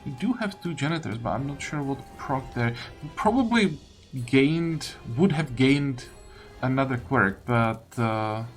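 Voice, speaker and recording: A man's voice: medium pitch, animated, a little slow. A man giving casual game commentary, thinking aloud through his tactics in loose fragments. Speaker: gaming video creator. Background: game music.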